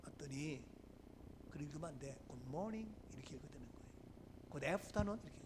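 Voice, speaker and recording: A man with a high, bright voice preaches in a church, telling stories with lively swings between quiet asides and loud, forceful lines. Faint background noise sits under the voice. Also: brisk. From Gangwon Province, Korea. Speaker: pastor. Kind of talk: sermon. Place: church sanctuary.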